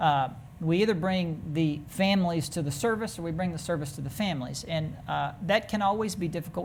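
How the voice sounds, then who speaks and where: With an American accent, a woman talks at a very fast pace, with a very deep, low pitch, ordinary pitch variation and audible room echo. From rural Texas. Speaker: government program official. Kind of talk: panel discussion. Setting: virtual conference, in a room with the moderator.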